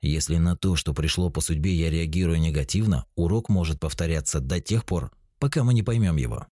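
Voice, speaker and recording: A man in his forties calmly explaining spiritual ideas, speaking straight to the listener as narrator of a self-help book. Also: extremely low pitch, a little fast, no echo, clean studio sound. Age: 40s. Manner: calm, explanatory, addresses the listener directly.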